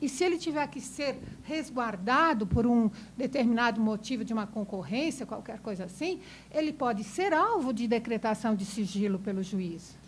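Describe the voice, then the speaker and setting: A woman with a normal speaking voice and a fairly high pitch talks at a moderate pace with lively intonation. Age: 60s. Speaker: tax lawyer. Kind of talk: panel discussion remarks. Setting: workshop with audience.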